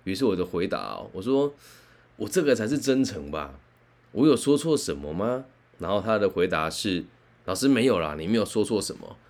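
Animated male storyteller. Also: lowish voice, fairly quick. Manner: animated, conversational. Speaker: career counselor. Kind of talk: storytelling talk.

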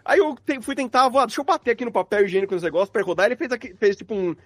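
A man's voice: high-pitched, very fast, fairly bright tone, dry recording. A man with a Brazilian accent talking casually as a guest sound designer, explaining his craft and acting out his thought process. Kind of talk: casual interview chat about craft.

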